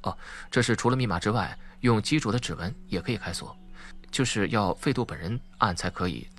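A man voicing a subdued plainclothes police officer in an audiobook, reporting quickly and matter-of-factly to his chief. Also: lowish voice, fairly bright tone. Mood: businesslike, subdued.

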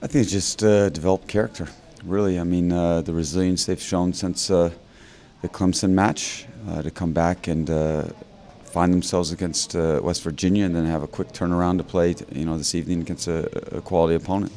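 A man in his fifties, a head coach in a postgame interview, talking haltingly with many fillers and restarts into a handheld mic. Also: low-pitched, fairly even intonation, warm tone. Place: indoor interview backdrop. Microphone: handheld mic held by interviewer.

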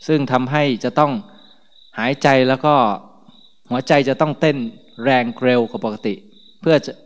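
Chatty laughing monk in a reverberant hall. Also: male voice, mid-range voice, moderate pace, clean tone. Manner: chatty and relaxed, laughs often between remarks. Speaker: Buddhist monk. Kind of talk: informal morning sermon talk.

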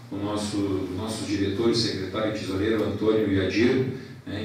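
A man in his forties, president of a professional council, giving a formal ceremony speech into a handheld mic in a large hall. He speaks in a measured way, listing thanks and points with pauses. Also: fairly low pitch, slight background noise. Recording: echoey hall from a distance.

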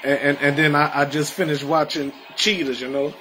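A man hosting a casual home livestream, rambling with many repeats and soft trailing endings. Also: on the high side, fairly even intonation, normal speed, background noise. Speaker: livestream host. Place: home, indoors.

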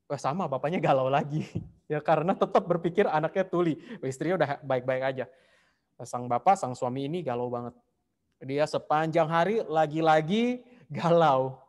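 A man giving an animated storytelling talk as a speaker at a temple talk series. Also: a little high, long reverb tail. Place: large temple hall.

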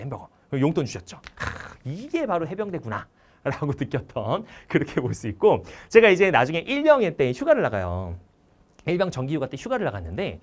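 A man, a history instructor, telling animated stories and acting out the dialogue. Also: mid-range voice. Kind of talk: anecdotal storytelling talk.

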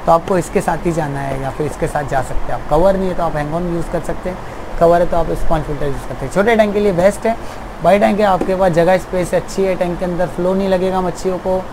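A man's voice: fairly high pitch, background noise. A young man who runs an aquarium shop, explaining at length in a casual, repetitive way, seated in his small shop.

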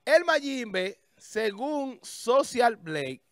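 Speaking extremely slowly in a sing-song, high-in-his-range voice, a man hosts a casual talk show from a small studio with a festive desk. While searching a website, he thinks out loud and keeps restarting phrases into a stand mic. The recording is dry and close, without room sound.

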